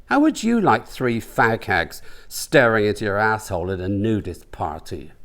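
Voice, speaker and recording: An indignant, humiliated gay man from a comic audiobook, acted out by a male reader. He is sarcastic and melodramatic, with pitch leaping and dropping as he complains. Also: sing-song, normal speed, a bit bright. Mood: exasperated.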